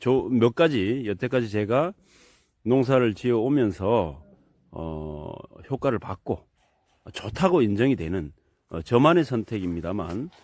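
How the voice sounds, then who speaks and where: Speaking very slowly with long, frequent pauses, a man uses a medium pitch that swings very widely. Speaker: organic farmer. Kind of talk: tutorial. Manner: halting, many filler sounds.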